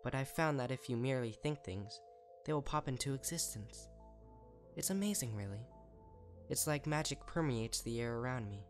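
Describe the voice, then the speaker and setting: A lonely, curious dead unicorn, acted by a man speaks in a lifted pitch. The eerie storybook letter is read over faint music. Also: expressive, moderate pace, close to an everyday voice. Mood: eerie wonder.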